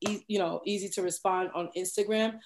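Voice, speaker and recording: A woman's voice: mid-range voice, fairly even intonation, a little fast, slight background noise. An American woman chatting as a podcast guest, full of fillers and "you understand?" tags. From United States. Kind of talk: casual conversation.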